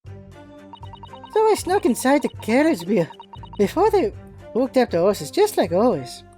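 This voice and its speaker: Man doing a woman's voice, young street urchin girl, game character, animated intonation, cheeky. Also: very high voice, measured pace, faint music behind, heavily acted. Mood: cheeky, indignant. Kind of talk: video game voice-through.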